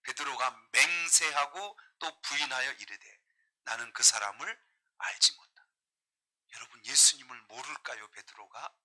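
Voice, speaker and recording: A middle-aged pastor from Jeolla, South Korea, preaches a sermon, reading scripture and putting emphatic rhetorical questions to his congregation. His medium-pitched voice is pushed and bright, at a moderate pace.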